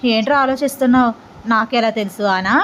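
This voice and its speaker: A woman voicing a calm, sarcastic young man who needles his cousin in an audio story. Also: on the high side, brisk, slight background noise, natural voice. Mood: needling.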